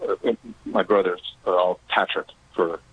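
A man calling in to a radio show, thoughtful and reflective, speaking in a halting way. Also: low-pitched, level tone, breathy edge, no room sound. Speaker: caller. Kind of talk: call-in phone conversation. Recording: phone line.

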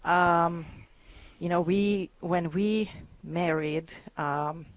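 A woman's voice: fairly low pitch, fairly even intonation, drawn-out words, no echo, poor audio. A middle-aged woman from Hungary, a radio guest speaking thoughtfully with many ums. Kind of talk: radio interview.

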